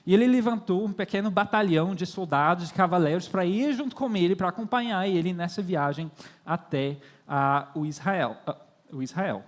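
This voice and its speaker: High-voiced young man preaching in echoey hall. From born and raised in France, Irish parents. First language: not native in Portuguese. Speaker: missionary, guest preacher. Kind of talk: sermon to a congregation, with storytelling. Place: large church hall, speaking to audience. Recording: echoey hall with long reverb.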